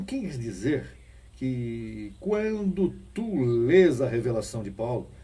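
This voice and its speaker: Male preacher, dark husky voice, emphatic sermon delivery, mic a little distant. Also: mid-range voice. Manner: emphatic preaching, rising bursts and rhetorical questions.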